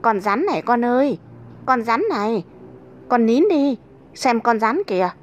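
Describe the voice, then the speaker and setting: A woman's voice: fairly high pitch, lively intonation, unhurried, a little hiss or hum, pitched above the performer's own voice. Woman playing a coaxing young husband. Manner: coaxing, cajoling. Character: playful young husband coaxing a crying toddler.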